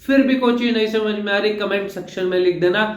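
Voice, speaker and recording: Emphatic high-voiced male speech coach. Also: fast talker, reverberant, highs cut off. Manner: emphatic, repeats key points as rules. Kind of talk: instructional talk to camera.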